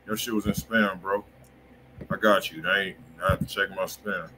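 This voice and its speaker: Low-voiced American man, noisy stream. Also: steady tone, moderate pace. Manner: slangy, informal. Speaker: music review show host. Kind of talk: casual livestream chat. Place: indoor room at home, on a livestream. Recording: noisy room webcam stream.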